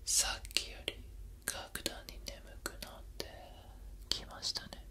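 A young man in a whispered role-play as a soothing hypnotist, speaking in a breathy whisper right in the listener's ear with repetitive, lulling suggestions. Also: measured pace, sharp tone. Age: young adult. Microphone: close binaural ASMR microphone.

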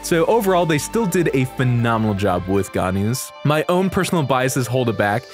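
A young man giving casual, excited reaction commentary, gushing in slangy, lightly sweary speech. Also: mid-range voice, moderate pace, faint music behind. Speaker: video creator reacting to game trailers.

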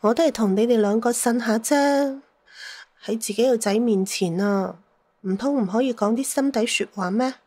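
A woman's voice: fairly high pitch, normal speed, warm tone, no room sound, close to an everyday voice. An actress voices a middle-aged mother. She is shrewd, jealous and sentimental, pleading with theatrical sighs as in a radio play. The sound is close and dry. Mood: jealous, plaintive. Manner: plaintive, theatrical, sighing. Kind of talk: Cantonese audio drama acting.

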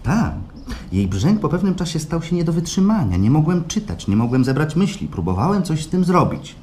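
An actor playing an obsessive, nervous client who confides in a fretful storytelling manner in a live radio play. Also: male voice, fairly high pitch, very animated, fairly quick, a little mellow. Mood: agitated. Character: obsessive male client, nervously confessing, eerily elated. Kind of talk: live radio play acting, intimate monologue. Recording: noisy live stage recording.

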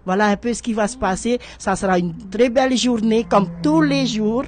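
A woman's voice: fairly high pitch, normal speed, a little mellow, a little hiss or hum. A middle-aged woman, a guest speaking in a radio studio interview who often restarts and repeats words. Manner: hesitant, repeats words while searching for them. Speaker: guest, horticulture association president. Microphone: studio microphone on a stand.

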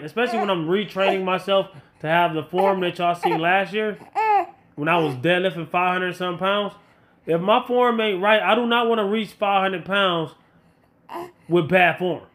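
A man's voice: sits high, normal speed, a bit bright, slight background noise. A man in his late thirties talking casually to viewers as a fitness vlogger, blunt, emphatic and colloquial, often repeating himself to make a point. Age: late 30s. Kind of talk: casual motivational talk to viewers.

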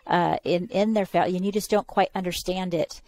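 A woman's voice: lowish voice, steady tone, fairly quick, darkish tone. A woman in her forties hosting a podcast interview over a video call, speaking enthusiastically and encouragingly into a headset mic. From California. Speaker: podcast host. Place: room at home.

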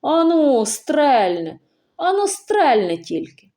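A gruff mounted guard barks short, clipped orders, as a woman reads him. Her voice stays mellow and slightly high under the commands. It is a storybook audiobook. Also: big pitch swings, slow pace. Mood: commanding. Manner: barked orders.

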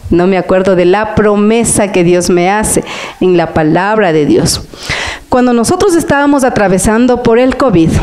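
A middle-aged woman preaching a charismatic Catholic sermon, telling her own story with emotional swings and calling listeners her brothers. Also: a little mellow. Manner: emotional, pitch jumps up and down for emphasis.

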